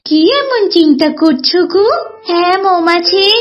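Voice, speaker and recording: A woman voicing gentle, motherly talking animals in a children's cartoon, with an expressive sing-song delivery. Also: very high-pitched, normal speed, dull audio, soft background music. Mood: sweet, concerned.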